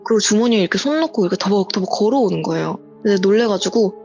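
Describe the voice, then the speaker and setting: A woman's voice: mid-range voice, lively intonation, very fast, darkish tone. A woman calling in to tell her own true story in a vivid, breathless retelling. She acts out the lines that people said. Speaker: viewer sharing a true story by voice call. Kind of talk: casual call-in storytelling. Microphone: voice call. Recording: muffled voice call with faint music.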